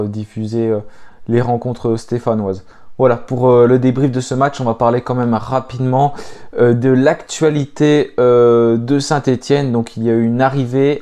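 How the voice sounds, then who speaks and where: A man's voice: medium pitch, dark tone. A French man hosting a football fan channel, talking through club news in a casual, hesitant way with many filler sounds.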